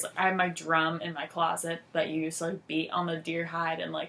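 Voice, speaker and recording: A woman with a Californian accent talks at a very fast pace over noticeable background noise. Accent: Californian American English. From Southern California. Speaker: podcast co-host. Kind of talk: casual chat.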